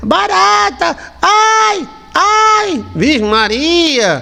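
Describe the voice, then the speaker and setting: A shrill, high, put-on character voice moves at a very slow pace with very wide pitch swings against clear background noise. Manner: shrieking in fright.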